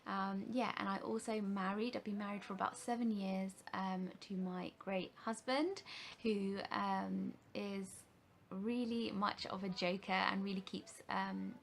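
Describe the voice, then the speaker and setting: This British makeup vlogger in her thirties has a medium-pitched, creaky voice with a steady tone and measured pace. Talking to camera, she meanders casually, often restarting and using fillers, over a little hiss or hum.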